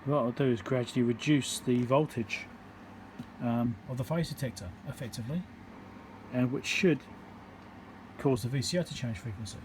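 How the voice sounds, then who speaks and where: A man giving a hands-on electronics repair demonstration, thinking aloud in an informal, halting, step-by-step way. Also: mid-range voice. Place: indoor repair workbench. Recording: steady background hum and room noise.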